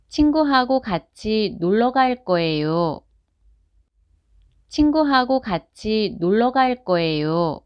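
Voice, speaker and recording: Woman, very slow and careful phrase reading, dry and slightly muffled sound, learner drills. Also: a little high, clear, resonant tone, dry recording. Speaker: Korean phrase reader. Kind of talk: slow repeated example sentences for learners.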